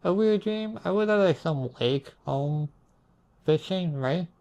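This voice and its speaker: A man's voice: fairly high pitch, expressive, slow, darkish tone, lo-fi sound. Puzzled young man hazily recounting dreams. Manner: hazy, puzzled recounting, trailing into asides. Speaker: storyteller recounting own dreams. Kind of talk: casual rambling storytelling.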